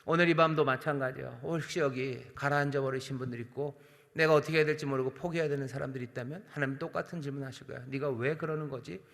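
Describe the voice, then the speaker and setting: A man, a senior pastor, preaching earnestly at a night prayer service, addressing the congregation directly with emphatic swells and soft drops. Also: mid-range voice, steady tone, fast, creaky. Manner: addresses the congregation directly and voices God's questions. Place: large church sanctuary. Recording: long hall reverb from church sanctuary.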